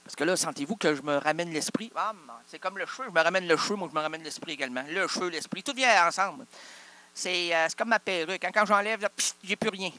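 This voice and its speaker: Man, Québécois accent, absurd improvised comedy, punning ramble, bright forceful voice. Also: high voice, quick pace. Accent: Québécois French. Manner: rambling wordplay, laughing at his own puns, asks and answers himself. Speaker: comic performer.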